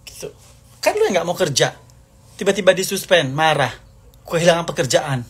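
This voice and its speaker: Heated husky man ranting. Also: on the high side, animated, brisk. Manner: heated, accusing, repetitive. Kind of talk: angry rant to camera.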